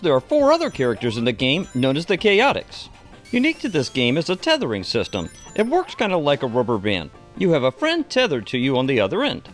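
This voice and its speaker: Male reviewer, middle-aged, very animated and enthusiastic scripted delivery, slightly high voice, over background music. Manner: enthusiastic presenter. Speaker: video game reviewer and presenter. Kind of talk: scripted video review narration.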